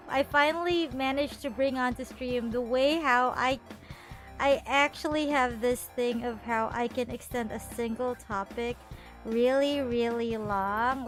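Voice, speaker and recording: High-voiced chatty woman streamer. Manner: chatty and rambling, with many restarts; bubbly, laughs often. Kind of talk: casual chat stream. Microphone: earphones with a desktop mic. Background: faint background music.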